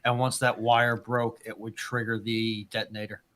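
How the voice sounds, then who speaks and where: A man's voice: on the low side, little pitch movement, moderate pace, a bit bright. A man moderating a casual live discussion, speaking hesitantly and often restarting his sentences. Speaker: live stream moderator and panelist.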